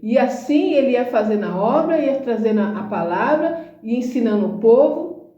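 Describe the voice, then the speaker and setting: A woman's voice: on the high side, expressive, normal speed, mellow, roomy sound, dull audio. A woman giving a conversational sermon, speaking earnestly and emphatically and often asking rhetorical questions. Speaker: Christian speaker.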